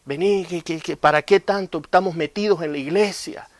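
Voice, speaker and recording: A man's voice: high-pitched, brisk, no echo, pitched above the performer's own voice, close to an everyday voice. A man voicing a grumbling churchgoer who complains and makes excuses in a whiny tone.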